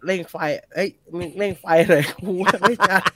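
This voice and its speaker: A man's voice: high-pitched, fairly even intonation, normal speed, sharp tone, slightly rough. A man in casual co-host banter, jokey and teasing, mixing polite phrasing with swearing.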